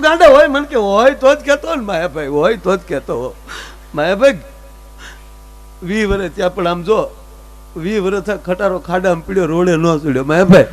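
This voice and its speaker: A man telling folk comedy stories on stage. He acts out both sides of each conversation. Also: sits high. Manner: animated storytelling, acts out both sides of dialogues. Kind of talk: Gujarati stage comedy storytelling.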